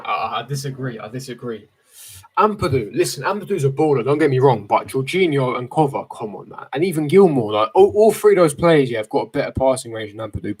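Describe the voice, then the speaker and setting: A man's voice: medium pitch, slightly rough. A man, chatting casually and giving slangy, opinionated answers to viewers on a livestream, repeating himself for emphasis. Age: 18, late teens. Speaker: football fan streamer. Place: small bedroom, indoors. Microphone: desk microphone close in front.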